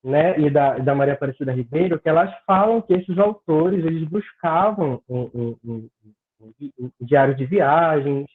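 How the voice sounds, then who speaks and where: A man's voice: on the high side, expressive, normal speed. A young man, a graduate student earnestly explaining his research on a video call and stumbling over words now and then. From Pará, Brazil. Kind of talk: academic discussion on a video call. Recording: tinny phone-like call audio.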